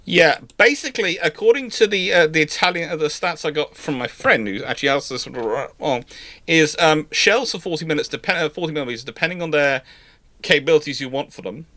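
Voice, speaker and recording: A man hosts a live, unscripted discussion. His voice is bright and moves animatedly up and down in pitch. He often halts and rewords his point mid-flow. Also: lively intonation, fairly quick. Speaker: host of a live question panel.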